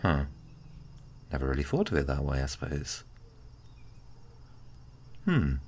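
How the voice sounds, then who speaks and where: A man playing an easygoing, gently teasing giant friend in a casual, hesitant, intimate ASMR roleplay. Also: rumbling low, big pitch swings, a little hiss or hum, heavily acted. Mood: cheerful, chatty. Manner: hesitant, chuckling, unhurried casual talk.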